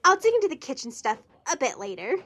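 A woman's voice: high voice, big pitch swings, fast talker, fairly bright tone, exaggerated voice. An actress playing a breezy, idle young woman in an audio drama, casual and offhand. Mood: breezy, dismissive.

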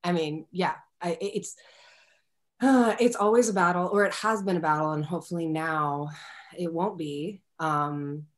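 A young woman, an actor, talking candidly and animatedly with fillers as a guest on a video call from a room at home. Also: lowish voice. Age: young adult. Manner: animated, expressive, talks fast with many fillers. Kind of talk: candid conversational interview. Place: home room with a window, indoors. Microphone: laptop webcam on a video call.

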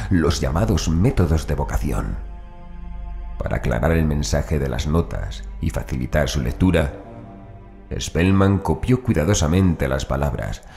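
A man's voice: a bass voice, vocal fry, darkish tone. A man reading a horror audiobook as scripted narration.

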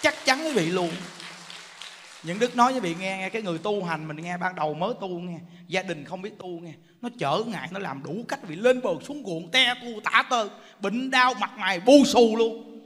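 A man with a Southern Vietnamese accent delivers a Buddhist sermon in a very high, bright voice. He drives his points home emphatically and keeps asking his listeners whether they see it. Long reverb rings around him as in a large hall. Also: moderate pace. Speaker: Buddhist preacher.

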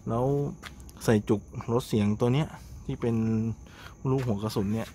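A man's voice: medium pitch, steady tone, normal speed, dark tone. A man filming a casual vlog by the roadside at night, chatty and exclaiming often as he talks through what he sees. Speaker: motorcycle vlogger. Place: roadside at night beside traffic. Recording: noisy roadside camera audio. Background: passing cars and engine noise.

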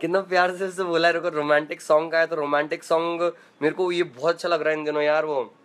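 A man's voice: on the high side, little pitch movement, fast talker, fairly bright tone. A young man hosting a casual live stream from his room at home, chatting playfully and greeting viewers by name as he reads their comments aloud.

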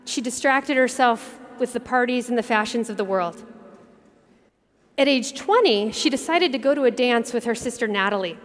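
A woman in her thirties delivers an earnest keynote from a big arena stage, her fairly high voice carried by a headset mic. She speaks in measured phrases with dramatic pauses, dropping softer as she tells a story. A long reverb trails each line through the hall. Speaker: keynote speaker, religious sister. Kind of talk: inspirational keynote speech. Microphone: headset mic at a podium.

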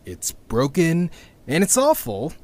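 Actor for blunt, sardonic male doomsayer, audio drama; lightish higher voice, very expressive intonation. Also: slow pace, heavily acted. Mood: bitter, resigned. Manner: dry, sarcastic, blunt. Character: bitter, sardonic doomsaying male team member.

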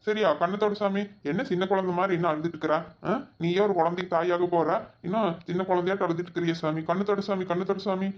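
A man voicing a doting village brother in a cartoon, with a fussing, soothing way of talking. His voice sits high and moves fast. The audio is dull and lo-fi. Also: steady tone, natural voice. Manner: soothing, fussing, repeats endearments. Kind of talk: cartoon voice acting.

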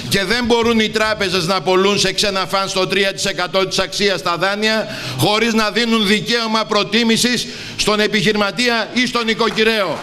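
A man's voice: sits high, fairly even intonation, pushed and bright. A middle-aged man speaking urgently and emphatically about the economy at a podium.

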